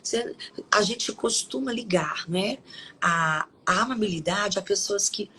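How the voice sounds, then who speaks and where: A woman's voice: medium pitch, measured pace, bright, forceful tone, a little hiss or hum, poor audio. A woman hosting a Christian live stream, talking conversationally and reading scripture, often tagging her sentences with questions. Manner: conversational, with frequent tag questions and restarts. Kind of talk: devotional talk and scripture reading.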